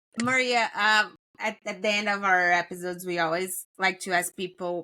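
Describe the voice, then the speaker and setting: In a very clean recording with a silent background, a woman with a Portuguese accent speaks at medium pitch and a moderate pace, her tone bright and sharp and her intonation fairly even. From Brazil. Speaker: podcast host. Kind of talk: podcast interview.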